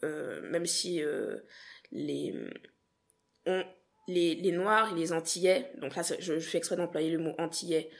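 A woman's voice: low voice, measured pace, vocal fry. A young woman from Guadeloupe, a podcast creator answering interview questions in an earnest, thoughtful way with frequent hesitant restarts.

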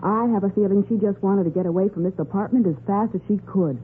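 A woman's voice: mid-range voice, quick pace, lightly acted. A woman playing a perceptive, loyal secretary and detective's sidekick in a 1940s radio crime drama, chatty and observant. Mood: observant, curious. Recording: muffled, noisy 1940s radio recording.

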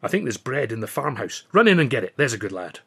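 A man's voice: medium pitch, big pitch swings, fast, gravelly, a bit bright, breathy edge, heavily acted. A man voicing a cocky, bossy little Scottish film comedian in an audiobook. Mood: bossy, planning. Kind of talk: audiobook character voice.

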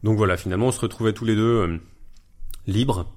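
A man in his thirties, a wedding videographer chatting as an interview guest in a relaxed, hesitant way with many fillers. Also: fairly low pitch, fast. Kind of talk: casual interview chat.

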